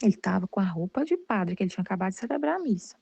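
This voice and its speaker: A Brazilian woman who leads a Catholic study group gives a casual, rambling account of her faith, restarting often and repeating words. Her medium-pitched voice has a Brazilian Portuguese accent and is sing-song, racing, creaky, mellow, and husky, in a dry recording.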